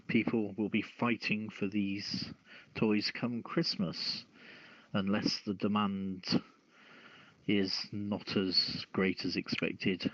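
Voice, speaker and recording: Slow-paced man hosting a news podcast. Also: on the low side, a bit bright, dry recording. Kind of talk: reading news with casual asides. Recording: dull lo-fi audio.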